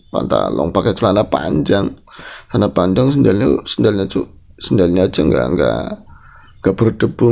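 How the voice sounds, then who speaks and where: A man telling a horror story in a casual way, acting out the quotes with big jumps in pitch. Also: vocal fry, husky. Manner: animated, mixes in Javanese, acts out quotes with sharp pitch jumps. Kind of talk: casual storytelling retelling a guest's experience.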